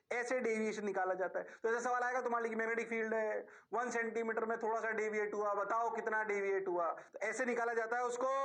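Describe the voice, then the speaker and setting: A man teaching physics in a lively lecture, answering his own questions in the students' voice and throwing in drawn-out exclamations. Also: extremely high pitch. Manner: drawn-out exclamations and playful asides. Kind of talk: animated classroom-style lecture.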